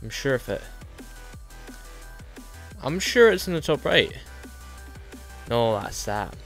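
A man's voice: medium pitch, sing-song, slow pace, faint music behind. A young man casually commentating a strategy game, rambling and correcting himself, his nose a little blocked. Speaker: let's play host.

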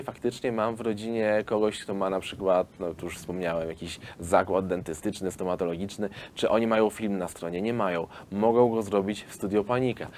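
A man in his thirties, a film studio founder, explains his investment offer in an interview, pausing often with fillers. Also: fairly low pitch, darkish tone, a little hiss or hum. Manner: explanatory, hesitant with frequent fillers. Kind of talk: business interview.

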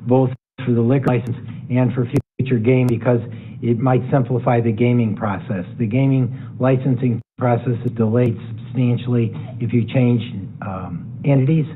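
A man's voice: medium pitch, steady tone, normal speed. A man advising a city council, explaining agenda matters in a conversational, explanatory way in a council chamber. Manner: conversational, explanatory, self-correcting. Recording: tinny, phone-like sound.

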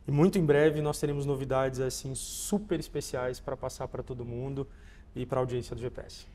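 This interview guest, a Brazilian mall executive in his forties hailing from Goiás, offers polished yet conversational replies. His mid-range voice is steady, mellow and fairly quick, captured in an echoing space with a little background noise.

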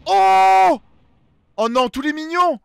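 A young man giving excited let's play commentary, exclaiming and talking to himself as he reacts. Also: very high voice, slow, vocal fry, no echo, studio quality. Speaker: gaming video host.

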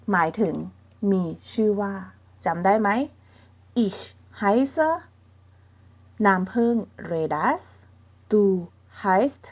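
A woman with a Thai accent teaching a German grammar lesson online, repeating words slowly and checking in with her students. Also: mid-range voice. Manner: drills words by repeating them, checks in with "remember?".

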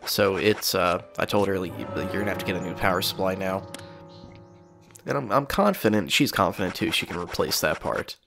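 Casual gamer guy, stuffy and sniffly, rambling chatter with a lowish voice. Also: normal speed, creaky, over music. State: congested with a cold, sniffling. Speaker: gameplay commentator. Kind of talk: casual let's play commentary.

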